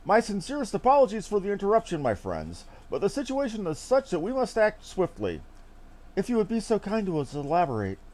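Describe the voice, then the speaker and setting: A man reads out a courtly, eloquent adventurer from a fantasy game. The delivery is theatrical and brisk, with formal old-fashioned phrasing, a raised male pitch and wide melodic swings. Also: huge pitch swings, a little mellow. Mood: urgent, courtly. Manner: theatrical, formal archaic diction. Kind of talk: reading game dialogue aloud in character.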